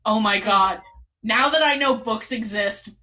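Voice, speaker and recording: A woman's voice: on the high side, measured pace, sharp tone. A woman playing in a tabletop role-playing game, chatting casually and hesitantly. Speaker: player.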